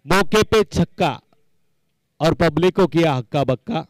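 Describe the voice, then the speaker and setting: A man's voice: a little high, expressive, measured pace, no room sound. A man giving live commentary and announcements at a local cricket tournament, emphatic and fond of repeating phrases for effect.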